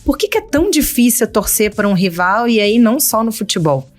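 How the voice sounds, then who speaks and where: A woman's voice: fairly high pitch, expressive, brisk, soft background music. A Brazilian woman hosting a podcast, asking her guests questions conversationally. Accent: Brazilian Portuguese. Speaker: podcast host. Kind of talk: podcast interview.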